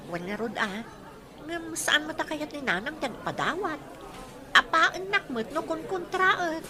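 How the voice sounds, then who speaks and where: A woman voicing a gentle, hesitant young woman in an audio drama, answering softly. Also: high-pitched, big pitch swings, unhurried, crowd noise.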